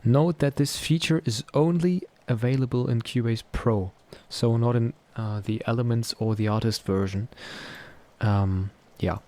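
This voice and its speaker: A man presenting a software tutorial in a casual, explanatory style. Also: mid-range voice, measured pace.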